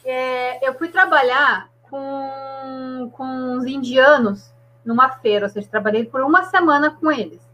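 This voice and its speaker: A woman chatting on a video call, telling a story in an animated way. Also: high voice, unhurried. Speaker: live stream participant. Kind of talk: casual chat on a video call.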